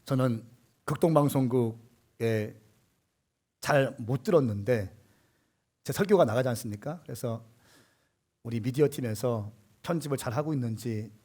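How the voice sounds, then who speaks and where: A male pastor preaching a sermon, animated and swelling to emphatic peaks, with a husky voice. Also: medium pitch, normal speed, long pauses.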